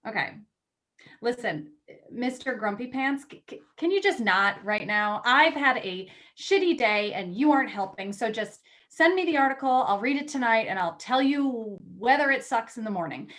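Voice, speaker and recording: A woman's voice: a little high, lively intonation, normal speed, a bit bright. A woman acting in a play reading as a blunt, wry magazine editor who is a loyal, teasing friend. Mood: irritated, bossy.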